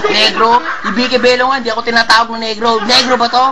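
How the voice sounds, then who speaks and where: A man's voice: very high voice, little pitch movement, fast talker. A Filipino man in a casual comedic rant, indignant and mock-boastful, swearing freely back at hecklers. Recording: loud heckling crowd around the voice.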